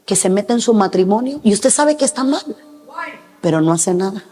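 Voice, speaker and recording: A woman's voice: medium pitch, lively intonation, moderate pace, warm tone. A woman pastor preaching a sermon with emphatic delivery, now and then acting out the voices she quotes. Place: large church hall. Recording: reverberant hall.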